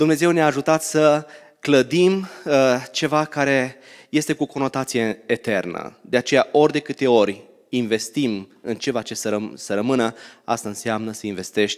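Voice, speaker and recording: Here a man speaks at a moderate pace. Behind him the background is quiet. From Romania, Timișoara (Banat); Romania. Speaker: missionary pastor. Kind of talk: sermon. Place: church. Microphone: handheld.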